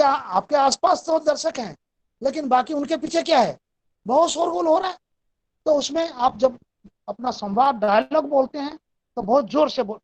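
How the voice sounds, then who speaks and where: A woman's voice: high voice, a little mellow. A woman lecturer giving a methodical, explanatory talk in a recorded online class.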